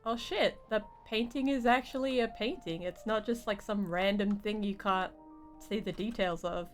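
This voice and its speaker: A young woman giving casual live game commentary, rambling and halting, with slangy phrasing. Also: mid-range voice, faint music behind. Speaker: game streamer.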